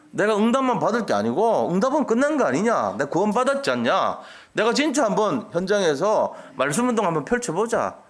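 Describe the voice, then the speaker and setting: A man preaching a sermon as pastor, asking his congregation rhetorical questions and acting out the quoted lines. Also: fairly high pitch. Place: church sanctuary.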